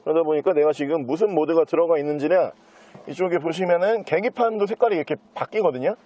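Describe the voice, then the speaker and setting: A man giving an unscripted sales walkthrough as a used car dealer, with smooth, practised salesman patter. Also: a little high, quick pace, mellow. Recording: dull, muffled lo-fi sound.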